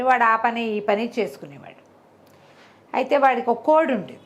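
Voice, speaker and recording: A woman telling a folk tale in a colloquial, conversational way, with animated asides. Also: fairly high pitch, dull audio. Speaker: storyteller. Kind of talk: conversational oral storytelling of a folk moral tale.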